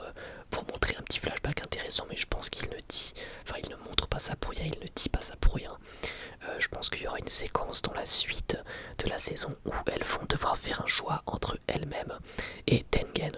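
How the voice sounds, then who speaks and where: A man gives a casual, unscripted ASMR review in a breathy whisper, enthusiastic but hesitant in his phrasing. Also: medium pitch, bright, forceful tone.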